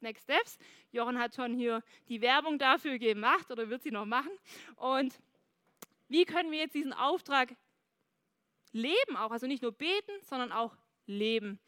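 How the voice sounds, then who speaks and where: Bright, high-voiced woman preacher. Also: no room sound. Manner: lively, addresses the congregation directly. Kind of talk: sermon. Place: church service.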